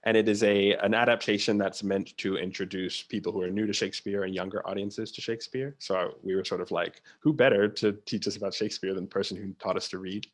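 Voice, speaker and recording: Low-pitched man in casual interview. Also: steady tone, quick pace, hardly any pauses. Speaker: theatre producer, interview guest.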